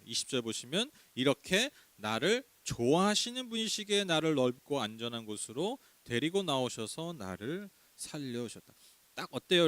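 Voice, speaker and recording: A man's voice: a little high, a bit bright, no echo. A man preaching a sermon in a conversational way, asking the congregation questions and laughing now and then. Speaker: pastor. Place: small church.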